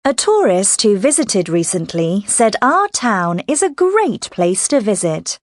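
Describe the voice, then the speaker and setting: A woman reading scripted answers and sentences for a listening exercise, in a clear, careful way. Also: mid-range voice, big pitch swings, a little slow, no room sound, clean studio sound.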